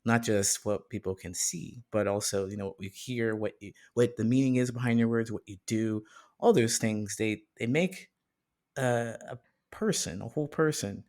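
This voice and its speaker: A man's voice: on the low side, moderate pace, darkish tone. Man hosting a podcast interview. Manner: thoughtful, searching for words, jokey. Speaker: podcast host. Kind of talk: casual interview conversation.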